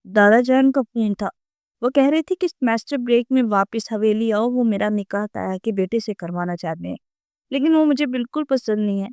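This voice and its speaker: A woman's voice: a little high, darkish tone, smooth, no room sound, clean studio sound, lightly acted. A woman reading the lines of a frightened young female student who pleads for help through tears. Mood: pleading. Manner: pleading, tearful.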